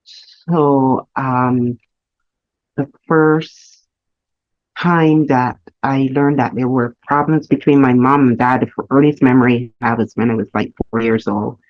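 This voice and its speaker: A woman from Barbados, telling her life story as a guest, earnest and reflective with halting restarts. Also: rumbling low, steady tone, no room sound. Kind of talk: candid personal storytelling. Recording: slightly muffled lo-fi audio.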